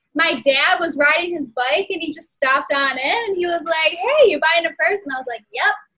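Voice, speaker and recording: A woman's raised, projected voice, bright and sharp in tone, at an extremely high pitch with ordinary pitch variation, a fairly quick pace, hardly any pauses and big swings in loudness. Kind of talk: casual chat.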